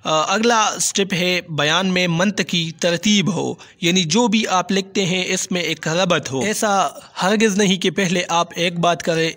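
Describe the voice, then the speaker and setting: A man with a Pakistani Urdu accent explaining points in a measured lecture, often pausing on hesitant fillers. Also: fairly high pitch, fairly bright tone. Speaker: teacher.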